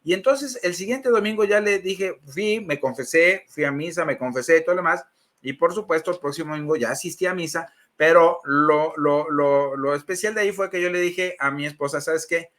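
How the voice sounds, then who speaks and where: Bright-voiced Mexican man telling his story. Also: on the high side, a little fast. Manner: animated storyteller acting out quoted dialogue, many fillers. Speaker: guest giving a faith testimony. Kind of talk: personal testimony storytelling.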